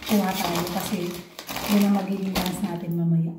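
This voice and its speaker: A woman's voice: on the low side, level tone, moderate pace, echoey room, noisy background. A woman from the Philippines with a Filipino accent, chatting casually to viewers while she works as a nanny, filmed on a handheld camera. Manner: chatty, addresses viewers as friends. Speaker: vlogger and nanny. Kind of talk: casual vlog chat. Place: house and garden, indoors and out. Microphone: handheld compact camera.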